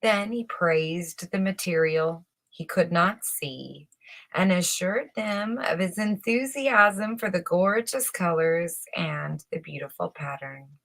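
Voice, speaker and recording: Female storyteller for a children's classic, lowish voice, unhurried, expressive scripted narration. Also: creaky.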